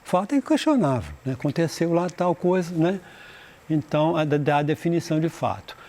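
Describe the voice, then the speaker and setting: A man's voice: a little high, lively intonation, warm tone. Chatty man teaching English in Portuguese. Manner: explains in Portuguese, reads English passages slowly and translates; rambling, restarts often. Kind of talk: recorded school lesson.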